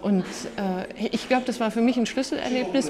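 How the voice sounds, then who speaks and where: A woman talks with ordinary pitch variation while noticeable background noise fills the clip. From Swabia, southern Germany. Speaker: social worker, foundation worker. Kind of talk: interview conversation. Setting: literature cafe in Berlin.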